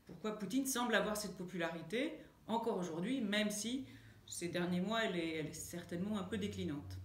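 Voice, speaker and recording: French woman author, interview guest, halting answers full of fillers, roomy echo. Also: mid-range voice. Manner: hesitant, many fillers and restarts. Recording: echoey room.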